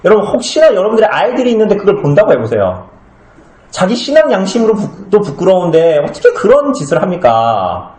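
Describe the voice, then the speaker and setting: A man's voice: high voice, huge pitch swings, brisk, a little mellow. A man preaching a sermon as pastor, talking conversationally, asking his congregation questions and acting out little comic scenes. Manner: acts out short comic scenes with changed voices. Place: small church hall. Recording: echoey room.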